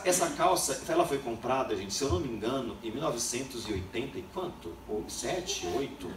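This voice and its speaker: A high-voiced young man delivers a sermon, mixing humor and voiced characters into his story. He is caught from a distance in an echoey church hall, with clear room noise behind him. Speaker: preacher.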